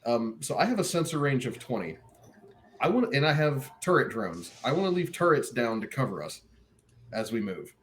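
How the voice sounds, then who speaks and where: A man's voice: medium pitch, sing-song, moderate pace, slight background noise. A man playing a tabletop game, asking the game master careful, hesitant rules questions. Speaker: player.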